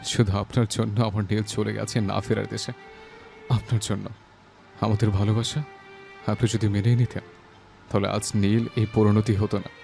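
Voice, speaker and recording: Man acting a gravelly, grief-stricken young lover. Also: on the low side, level tone, normal speed, pauses often, darkish tone, faint music behind. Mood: bitter grief. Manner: anguished, pleading, emotionally overwrought. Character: grief-stricken young man pleading with his dead beloved. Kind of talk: dramatized audio story acting.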